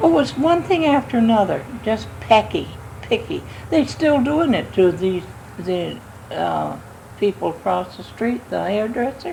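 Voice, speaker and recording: A woman speaks with an American accent at a fairly high pitch. Noticeable background noise can be heard. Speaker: oral history interviewee. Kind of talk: oral history interview. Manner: halting.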